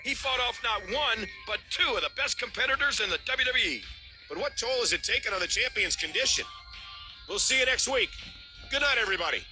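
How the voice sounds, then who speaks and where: A man's voice: very high-pitched, expressive, brisk, pushed and bright, faint music behind, exaggerated voice, poor audio. A man voicing a wrestling commentator in a video game, giving scripted, upbeat broadcast-style commentary. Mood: excited.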